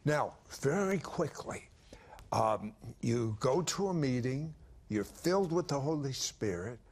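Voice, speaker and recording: A man hosting a Christian television interview, speaking slowly and emphatically and leaning on key words. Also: medium pitch, animated, vocal fry, a little mellow, slightly rough. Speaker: TV show host.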